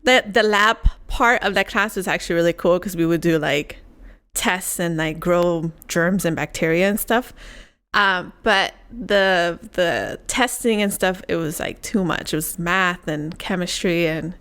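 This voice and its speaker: A young woman from Puerto Rico with a slightly low-pitched voice co-hosts a casual chat. She rambles through her story with restarts and frequent laughter. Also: a little slow, fairly bright tone, clean tone. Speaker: podcast co-host.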